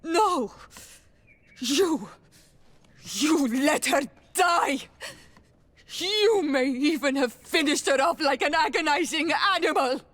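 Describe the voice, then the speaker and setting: A woman's voice: high-pitched, lively intonation, slow, pauses often, a bit bright, dry recording, exaggerated voice. A woman acting a proud, passionate young tribal princess, solemn and direct, in a video game. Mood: anguished, furious.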